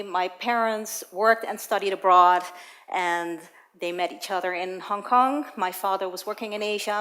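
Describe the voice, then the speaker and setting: Female TEDx speaker from the Netherlands, young, telling personal stories in a relaxed way. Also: medium pitch. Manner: personal storytelling, light laughs, occasional restarts. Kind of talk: public talk on stage.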